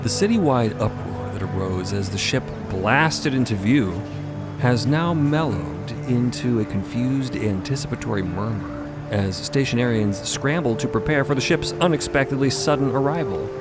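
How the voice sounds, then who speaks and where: A man narrating a scripted story in a dramatic, suspenseful way with deliberate pauses. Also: mid-range voice, expressive. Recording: loud music under the voice. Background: loud music bed.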